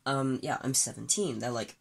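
A man's voice: medium pitch, moderate pace, gravelly, husky. A trans man in his late teens rambling candidly in a casual vlog, recorded on a phone held at arm's length in a small bedroom. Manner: candid, rambling, many fillers and restarts. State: groggy, just woken up. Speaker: vlogger. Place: small bedroom, then a desk in a bedroom, indoors. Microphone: phone or webcam at arm's length.

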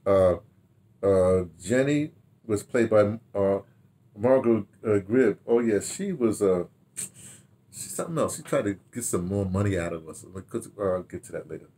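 An older man with an American accent, reminiscing casually to camera in a rambling, halting way, repeating words as he goes. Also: lowish voice, animated, dark tone. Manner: rambling, halting delivery, repeating words, checking notes aloud. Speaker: radio drama producer recalling past productions. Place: small book-lined room at home, indoors.

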